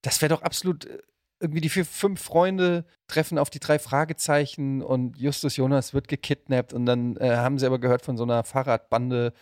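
A man hosting a casual podcast, riffing with joking, excitable enthusiasm. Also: mid-range voice, fairly quick, dry recording, studio quality. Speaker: podcast host.

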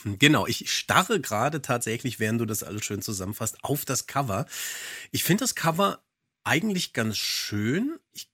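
Husky-voiced, agreeable man in podcast chat. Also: mid-range voice, sing-song, moderate pace, sharp tone. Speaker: podcast co-host.

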